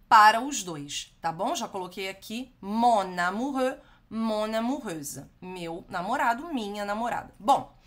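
A woman with a Brazilian Portuguese accent teaching an online French lesson, affectionate with her viewers and repeating each word slowly to model pronunciation. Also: a little high, a bit bright.

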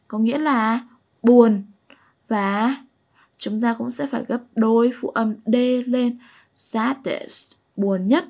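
A woman teaching an English lesson, explaining slowly and patiently and often checking that her pupils follow along. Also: on the high side, darkish tone. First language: Vietnamese. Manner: patient, keeps asking "right?" to check understanding.

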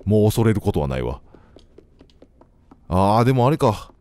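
A young man with a Kansai accent giving casual, joking commentary while playing a game, talking to the characters and shouting now and then. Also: fairly low pitch, very animated, normal speed, no echo. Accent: Kansai Japanese. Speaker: gameplay commentator. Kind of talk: casual let's-play commentary. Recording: faint game music behind.

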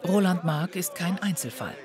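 A man narrating a crime documentary in a calm, factual, scripted manner. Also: high-pitched, normal speed, crowd noise. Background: music under the voice.

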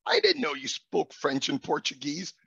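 Brief: middle-aged man, native Italian speaker, hosting a webcam chat. Gravelly, husky voice, a bit high for a man, with lively swings in pitch. The audio is dull and lo-fi. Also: moderate pace, no room sound. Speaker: host. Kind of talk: guided conversation on a video call. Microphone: webcam on a video call. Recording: dull lo-fi video call audio.

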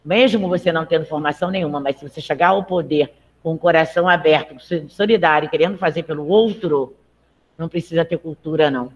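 A woman's voice: sits low, slightly rough, dull audio. Woman teacher, online grammar class, chatty and encouraging, motherly with students. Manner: chatty, checks in with frequent "tá?". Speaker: Portuguese teacher. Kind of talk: live online grammar lesson.

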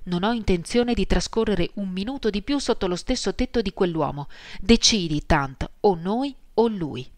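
A woman's voice: lowish voice, lively intonation, moderate pace, few pauses, no room sound, studio quality, close to an everyday voice. A woman reading a furious stern mother. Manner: hissing, cold and resolute. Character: stern proud adult woman, angry mother.

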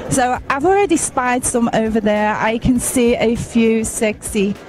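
A woman in her thirties, hoarse from losing her voice, flirtily interviewing cosplayers with a handheld mic in a busy convention hall. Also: on the high side, a little slow, a little mellow, slight background noise. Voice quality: husky. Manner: flirty, playful, laughs often. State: hoarse, lost voice.

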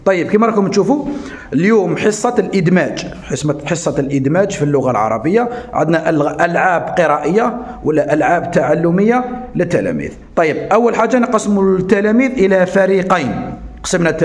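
A man with an Algerian Arabic accent teaching young pupils in a classroom, coaxing and animated, slowing right down to dictate. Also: sits high. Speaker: primary school teacher. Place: school classroom. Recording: echoey classroom.

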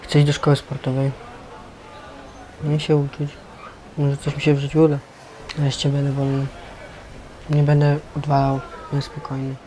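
Very monotone young man, mellow. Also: fairly high pitch, normal speed, long pauses, low-quality recording. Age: teenager or young adult. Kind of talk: short candid answers. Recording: faint background noise.

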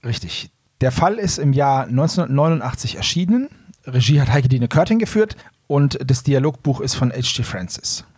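A man's voice: medium pitch, big pitch swings, moderate pace, darkish tone, husky, no echo, studio quality. A man, talking casually as the host of a podcast.

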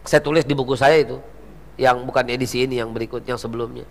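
A man's voice: mid-range voice, steady tone, fast talker, creaky. A man preaching a sermon, fiery and scolding, switching into slangy mockery of the people he criticizes. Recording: hall reverb.

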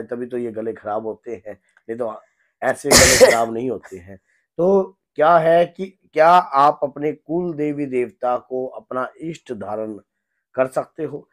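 Hoarse man giving a devotional talk. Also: mid-range voice. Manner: earnest, gesturing, repeats himself. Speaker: spiritual guru. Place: home room with a shrine, indoors.

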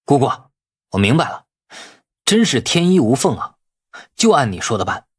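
Young nephew role, male narrator: eager, flustered, deferential, husky, very animated pitch, audiobook drama. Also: normal speed. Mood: convinced. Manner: expressive, colloquial, exclaiming.

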